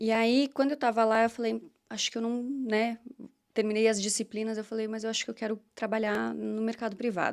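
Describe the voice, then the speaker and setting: Fairly quick, monotone, flat delivery in a Santa Catarina accent, on a very clean recording with a silent background. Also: woman, fairly high pitch for a woman. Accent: southern Brazilian (Santa Catarina). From southern Brazil, Chapecó, Santa Catarina. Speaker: corporate security executive. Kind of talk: podcast interview. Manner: hesitant, many fillers.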